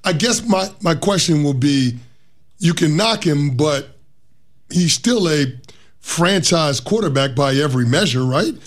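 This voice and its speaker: Man, a bit hoarse, fairly high voice, emphatic sports talk co-host. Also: animated, unhurried. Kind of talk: casual sports debate.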